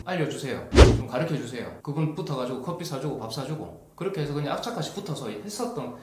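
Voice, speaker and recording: A man in his forties hosting an interview, animated and advising, with frequent affirming hums. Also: a little high, fast. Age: 40s. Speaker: host. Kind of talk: interview chat. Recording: echoey room with faint noise.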